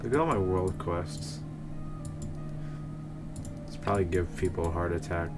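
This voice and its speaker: A man's voice: low voice, unhurried, over music. A man chatting casually as he streams a game, rambling and often repeating himself. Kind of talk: casual livestream chat.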